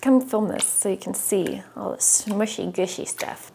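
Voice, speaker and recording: A woman's voice: medium pitch, a little slow, creaky, mellow, slight background noise. A young woman in her twenties hosting a casual cooking video in her home kitchen, chatty and upbeat as she explains each step. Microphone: small lapel mic.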